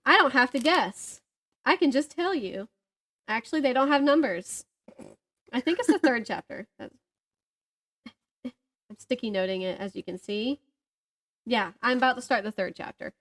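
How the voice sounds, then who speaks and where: A woman's voice: on the high side, expressive, moderate pace, long pauses, fairly bright tone. A woman in her thirties chatting casually about books as a podcast co-host, giggly and gushing. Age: 30s.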